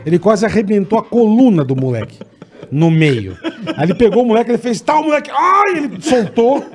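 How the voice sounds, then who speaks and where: Brazilian guy, husky kinda high voice, telling a crazy party story, swearing a lot. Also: fairly quick. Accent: Brazilian Portuguese. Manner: animated, profane, laughing storyteller. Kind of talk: casual storytelling chat.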